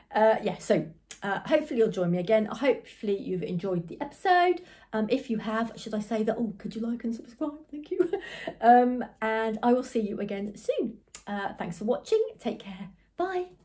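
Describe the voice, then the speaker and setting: A somewhat breathy woman's voice with a dark, mellow tone, a fairly high pitch, and lively intonation. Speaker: craft podcaster. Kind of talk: casual chat. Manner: fast; halting.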